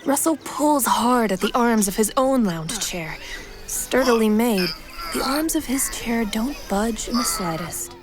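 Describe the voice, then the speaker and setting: A woman's voice: a little high, expressive, measured pace. A woman reading scripted present-tense story narration for an action fiction podcast. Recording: prominent music bed under narration.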